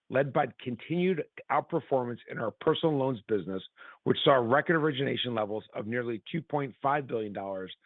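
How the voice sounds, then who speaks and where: The voice comes through a narrow, phone-like line with a dry sound. It is a man with a medium-pitched voice, delivering prepared financial results formally, like an executive on an earnings call. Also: no room sound. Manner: formal, businesslike. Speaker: company executive presenting quarterly results. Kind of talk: scripted earnings call presentation.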